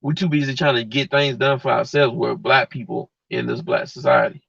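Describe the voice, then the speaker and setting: A man's voice: medium pitch, brisk, gravelly, a bit bright, husky, no room sound. A man hosting a livestream, giving a blunt, heated, slangy rant straight to his viewers. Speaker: livestream host. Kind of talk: casual slangy rant to live chat. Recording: dull lo-fi mic.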